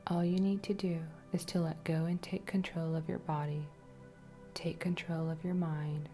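Waitress hypnotist, played by a woman: coaxing ASMR roleplay, soft mellow breathy delivery, evenly pitched, light music behind. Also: flat delivery, close to an everyday voice. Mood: hypnotic, drowsy. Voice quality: soft, breathy, often whispery. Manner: slow, repetitive, soothing, coaxing. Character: friendly waitress turned soothing, commanding hypnotist.

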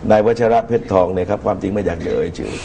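A middle-aged man with a low, very mellow voice gives political commentary on a talk show. He speaks in a measured way into a lapel microphone, with faint noise in the TV studio recording. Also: steady tone, vocal fry.

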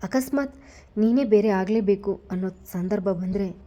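A devoted, protective young man whose tender words turn fierce when his family is threatened, as a woman narrator puts him on. His voice stays mellow and warm in this storybook romance. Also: medium pitch, moderate pace, natural voice. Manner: tender but flaring into anger.

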